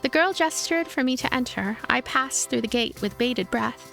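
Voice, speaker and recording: A woman's voice: high voice, expressive, moderate pace, creaky, sharp tone, soft background music. A woman streamer reading a visual novel aloud as narration, with casual asides. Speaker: let's play streamer.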